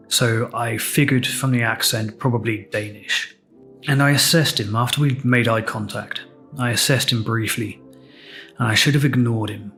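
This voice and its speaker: An English man recounts a personal story in a candid, reflective monologue, with a voice of ordinary middle pitch. He takes his time, and a little music sits faintly underneath. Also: a bit bright. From England. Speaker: podcast host.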